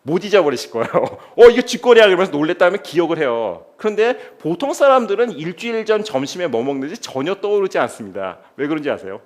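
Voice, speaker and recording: Animated middle-aged male lecturer. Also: fairly high pitch, fast, hardly any pauses. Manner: animated, keeps asking the audience rhetorical questions. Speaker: philosophy teacher giving a guest lecture. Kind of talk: lively public lecture. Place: lecture studio with an audience.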